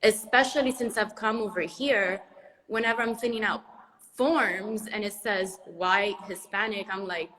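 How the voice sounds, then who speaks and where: A woman from Venezuela, talking in a slow, hesitant, thoughtful way in casual conversation. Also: mid-range voice, fairly bright tone, big-room sound, low-quality recording.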